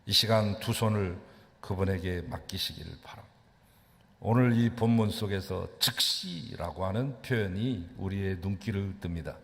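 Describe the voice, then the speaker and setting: A man's voice: moderate pace, vocal fry. A man preaching a sermon as pastor, telling the story dramatically with sudden rises and drops in his voice. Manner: dramatic storytelling with sweeping pitch leaps. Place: church sanctuary. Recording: long church reverb.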